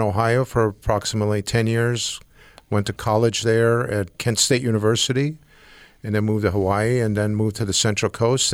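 A man's voice: lowish voice, no room sound, studio quality. A man in his sixties, born in Turkey, speaks earnestly as a guest in a radio interview and rambles a little with restarts. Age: 60s. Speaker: guest, Rotary Club president.

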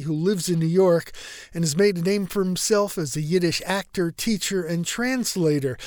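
A man's voice: high-pitched, no echo. Man reporting in a dry studio. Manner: measured, even reporting delivery. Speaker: radio reporter. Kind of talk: scripted news narration.

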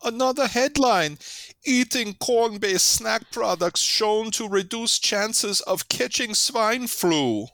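A man's voice: sits high, animated, slow, bright, forceful tone, no echo, heavily acted. A man playing a fussy, scornful German professor with a German accent in a radio comedy sketch.

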